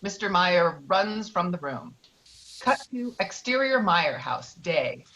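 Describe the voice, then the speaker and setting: A woman's voice: on the low side, sing-song, slow pace, fairly bright tone, lo-fi sound. A woman reading screenplay stage directions as the narrator of a table read.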